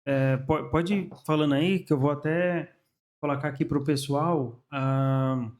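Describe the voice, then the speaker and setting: A man's voice: on the high side, steady tone, measured pace, a little mellow. A man from Brazil with a Brazilian Portuguese accent, a curious, chatty podcast host who talks with lots of fillers. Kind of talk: conversational interview.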